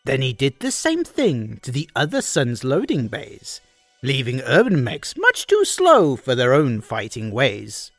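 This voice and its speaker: A woman narrating a rhyming holiday story in an unhurried, sing-song voice whose pitch rises and falls dramatically. The sound is close and dry, with faint music playing behind her. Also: wildly swooping pitch, dry recording. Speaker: host and narrator.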